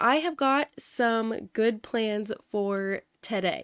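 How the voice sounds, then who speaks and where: An upbeat tone and ordinary pitch variation come through on a very clean recording with a silent background. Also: woman, dry, close sound with no echo. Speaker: gaming YouTuber. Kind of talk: casual gameplay commentary. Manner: upbeat, excitable.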